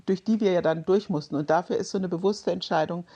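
Reflective lower-voiced woman guest. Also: mellow, slightly rough, muffled recording. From Germany. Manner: reflective, hesitant with fillers, quick light laughs. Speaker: interview guest. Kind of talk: reflective conversational interview.

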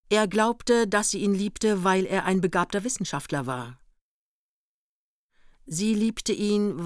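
A woman reading literary narration for a radio play in a measured, matter-of-fact way. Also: fairly low pitch, dry recording, studio quality. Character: composed female storyteller narrating a young East Berlin couple's honeymoon.

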